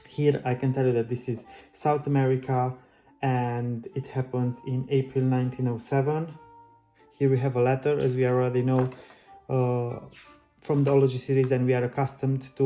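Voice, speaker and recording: Chatty man with a flat, mellow voice. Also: mid-range voice, normal speed, soft background music. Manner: friendly, chatty, loose phrasing with restarts. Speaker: book channel host. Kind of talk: casual book flip-through vlog.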